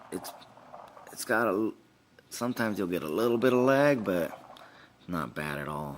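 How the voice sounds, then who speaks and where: A mumbling man at a fairly quick pace. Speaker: tech tutorial youtuber. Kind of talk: tutorial. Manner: casual, hesitant with fillers.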